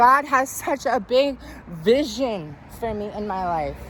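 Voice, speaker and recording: A woman speaks with a high pitch. Noticeable background noise can be heard. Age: 20s. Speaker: vlogger. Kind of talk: personal confessional monologue. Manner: loud; emotional, earnest.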